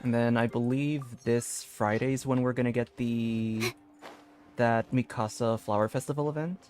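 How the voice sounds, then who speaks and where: A man's voice: mid-range voice, steady tone, measured pace. A man livestreaming a game, chatting casually and reading bits of on-screen text aloud. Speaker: game streamer. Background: soft game music.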